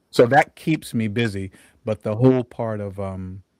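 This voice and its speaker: A plain, everyday voice from a man, fairly low in pitch with ordinary pitch variation, at a moderate pace, in a dry, close sound with no echo and a very clean recording with a silent background. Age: 60s. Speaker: singer-songwriter. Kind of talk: interview. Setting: livestream interview.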